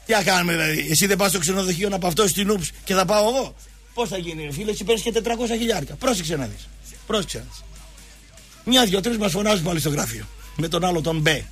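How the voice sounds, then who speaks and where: A man's voice: sits high, breathy edge, soft background music. A man hosting a sports show, telling casual anecdotes and acting out the dialogue. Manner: animated, acts out dialogue in quotes.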